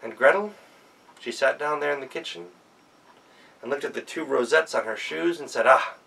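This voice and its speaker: A man telling a folktale as a storyteller, expressive and with dramatic emphasis. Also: medium pitch, moderate pace, vocal fry, slightly rough, recorded from a distance, low-quality recording. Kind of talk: live oral folktale narration.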